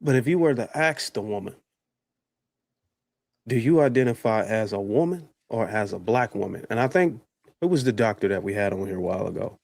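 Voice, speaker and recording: Male panelist, lowish, steady and methodical, dry mic. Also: a little fast, creaky, no room sound. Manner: calm, methodical, listing points in order. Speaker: podcast panelist. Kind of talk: panel discussion.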